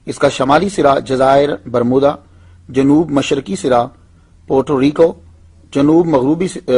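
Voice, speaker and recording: A man who is an Islamic scholar, calling into a radio show over a phone line and giving a measured religious lecture. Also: mid-range voice, a little mellow, breathy edge. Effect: heard over a phone line into a radio show.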